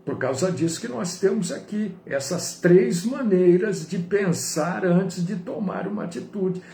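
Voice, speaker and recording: A man, a pastor, preaching a sermon in an animated way, swinging from high to low. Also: measured pace, creaky, roomy sound, slight background noise.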